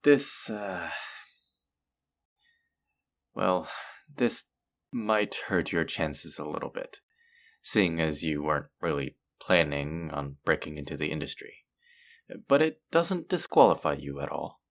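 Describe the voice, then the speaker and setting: A man's voice: a bass voice, sing-song, slow pace, long pauses, heavily acted. A man playing a feared supervillain in an audio roleplay, theatrical and businesslike, with a dry, politely condescending manner. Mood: businesslike, intrigued. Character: feared male supervillain, theatrical yet businesslike and dryly amused. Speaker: supervillain interviewing a job applicant. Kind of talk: audio roleplay acting, addressing the listener.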